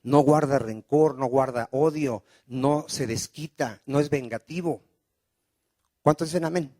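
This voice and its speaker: A man's voice: medium pitch, a little slow, dark tone, no room sound. A man preaching a sermon as pastor, often asking the congregation questions and calling for amens. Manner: preaching with call-and-response questions.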